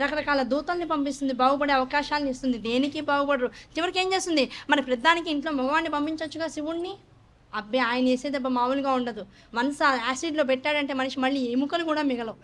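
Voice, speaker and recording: A woman giving a religious discourse on scripture, telling stories in a lively, conversational way. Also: high voice. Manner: animated, conversational storytelling with asides. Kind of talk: Hindu scripture discourse with storytelling.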